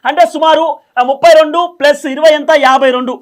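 A man's voice: extremely high pitch, fairly even intonation, quick pace. A man with a Telangana Telugu accent giving explanatory political commentary as a news presenter, emphatic and repetitive, often asking questions and answering them himself.

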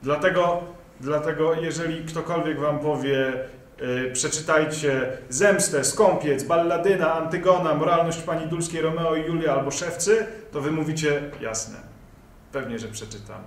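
Slightly high-voiced young man, roomy recording. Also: moderate pace. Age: young adult. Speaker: co-host promoting audio dramas. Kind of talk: casual jokey chat. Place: indoor green-screen studio at a table. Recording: roomy, distant mic with background noise.

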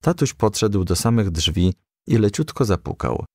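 A man reads a children's story as an audiobook narrator. His voice is fairly low with a gravelly creak, and the melody swings widely as he tells it. The sound is close and dry. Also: normal speed, no echo. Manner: animated, storytelling delivery. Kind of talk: expressive children's storybook reading.

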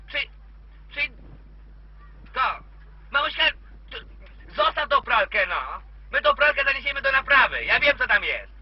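An actor playing a grown mummy's boy fussing at his mother over the phone in a cabaret sketch. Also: very high voice. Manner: fussy, repeating himself, nagging down the line. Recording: dull lo-fi recording.

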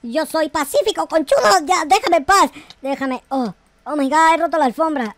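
A naive young boy gamer with a very high voice. He is excitable and whiny, exclaiming melodramatically and repeating words over and over as he roleplays through a video game in slangy speech. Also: moderate pace, slight background noise. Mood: panicked, indignant. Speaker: gaming video creator.

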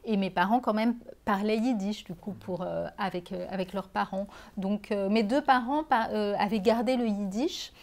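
A woman's voice: mid-range voice, moderate pace, hardly any pauses, darkish tone. A middle-aged woman author speaking at a bookshop reading, hesitant, with many fillers and restarts. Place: bookshop reading event, indoors.

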